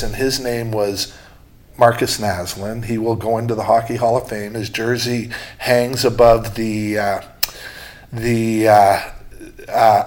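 A man hosting a casual podcast about jewelry, telling candid stories with emphasis. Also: medium pitch. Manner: chatty storyteller, candid and emphatic. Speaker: jeweler and show host.

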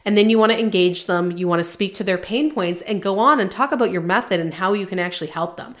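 A woman hosting a solo business-coaching podcast, talking bluntly and with animated energy, swearing casually as she coaches her listeners. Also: medium pitch, fast.

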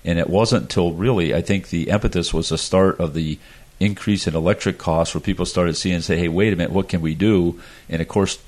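A man's voice: low-pitched, steady tone, fairly quick, a little mellow. An American man hosting a radio interview in a casual, folksy, conversational way. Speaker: radio show host.

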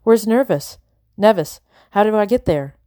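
A woman's voice: mid-range voice, normal speed, darkish tone, dry recording, clean studio sound, natural voice. Woman playing a fierce, desperate young girl. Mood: frantic. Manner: urgent, defiant, insistent. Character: fierce, desperate enslaved young girl protecting her sister.

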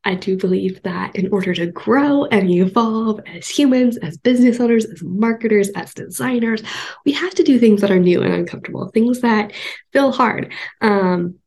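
Congested, husky-voiced woman podcast host. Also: medium pitch, darkish tone. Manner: thoughtful, rambling, many ums and pauses. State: congested from a cold. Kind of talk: casual solo podcast talk.

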